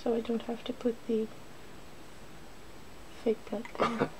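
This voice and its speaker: A woman's voice: a little high, monotone, slow pace, slight background noise, rough recording. A woman hosting a casual ASMR makeup demonstration, chatty and giggly, drifting into whispers. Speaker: ASMR video host.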